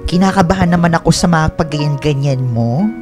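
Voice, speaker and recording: A man's voice: on the high side, close to an everyday voice. A man playing a flamboyant gay young best friend in a radio drama, with a campy, theatrical way of talking. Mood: playful flattery. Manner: campy, dramatic, drawn-out shrieks and English interjections. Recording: music bed behind the voice.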